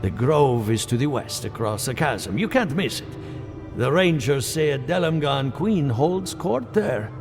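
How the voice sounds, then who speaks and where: An actor playing a courteous, preoccupied researcher in a fantasy game, speaking formally and articulately. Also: male voice, mid-range voice, animated, unhurried. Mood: thoughtful, instructive. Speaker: game character. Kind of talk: scripted video game dialogue. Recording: game music behind the voice.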